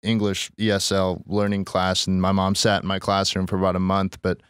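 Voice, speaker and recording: Young man, American accent, low smooth voice, close dry mic, casual storytelling podcast guest. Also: monotone, fairly quick, fairly bright tone, no room sound. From born in Estonia, raised in the US Pacific Northwest from age six. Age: 20s. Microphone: close podcast microphone.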